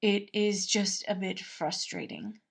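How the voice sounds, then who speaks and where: Woman as a dramatic, lovelorn young prince, creaky voice. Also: medium pitch, slow pace. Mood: frustrated, sulky. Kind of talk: acted dialogue in fan-fiction audiobook.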